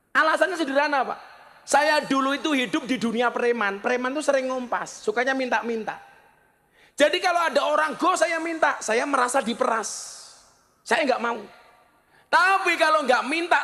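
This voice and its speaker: A middle-aged man with a Javanese accent, preaching in a lively, joking village sermon style. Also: very high-pitched, creaky. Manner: joking, mixes in Javanese phrases.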